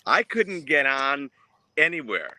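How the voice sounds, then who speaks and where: A man who grew up in New Jersey, born in Portugal, chatting as a guest on a video call from outdoors in his garden, talkative and quick to laugh. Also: on the high side, very animated, pushed and bright. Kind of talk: casual video chat.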